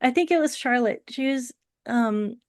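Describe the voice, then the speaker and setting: Higher-voiced woman interviewer, close dry sound. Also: normal speed, darkish tone, no room sound. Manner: chatty, giggly, hesitant. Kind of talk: casual interview chat.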